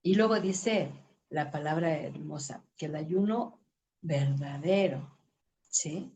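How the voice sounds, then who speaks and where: A middle-aged woman preaching to women from the Bible, her low, mellow voice rising expressively as she acts out conversations. She slows right down when reading scripture. A faint hum of noise sits under the recording. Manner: expressive, acts out dialogue and reads scripture slowly. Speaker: women's ministry teacher. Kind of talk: Bible teaching. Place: church.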